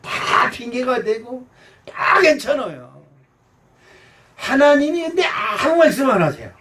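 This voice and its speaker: A male pastor giving a sermon, animated, swinging from shouts down to quiet murmurs. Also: very high voice, measured pace, distant mic, noisy background.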